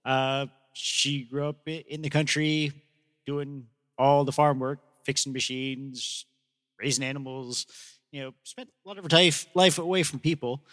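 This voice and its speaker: A man casually describing his tabletop character, halting and rambling with frequent self-corrections. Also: medium pitch, fairly even intonation, fairly bright tone, big-room sound. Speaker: player.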